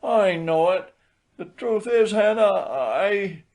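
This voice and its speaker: A man voicing a befuddled, booming old country church elder in an audiobook, exclaiming in drawn-out words. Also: animated, a little mellow, heavily acted. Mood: meek, tipsy.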